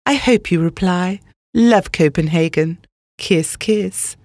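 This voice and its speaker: A woman plays a smitten young male racehorse reading out his love letter. The delivery is earnest, gushing and a little vain, in a lowish, very dry studio voice. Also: slow, a little mellow, no echo.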